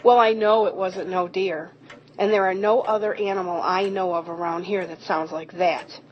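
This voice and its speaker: A woman's voice: on the low side, fairly even intonation, moderate pace, lightly acted. Folksy country woman played by an actress, muffled recording. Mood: earnest, awed. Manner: folksy, descriptive storytelling. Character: friendly rural woman eyewitness recounting a Bigfoot sighting. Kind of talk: amateur audio drama acting. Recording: muffled, noisy home recording.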